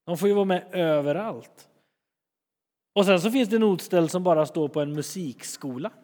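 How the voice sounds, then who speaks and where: Lively preacher with a high voice in a large hall. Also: male voice. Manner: lively and chatty, acting out scenes. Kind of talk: sermon, storytelling.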